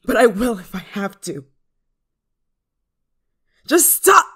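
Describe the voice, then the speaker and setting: A woman playing a clingy, desperate deviant android in love, in an intense, halting ASMR roleplay monologue. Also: on the high side, big pitch swings, bright, forceful tone, breathy edge, exaggerated voice. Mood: desperate, forceful. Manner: hesitant, halting, emotionally intense delivery.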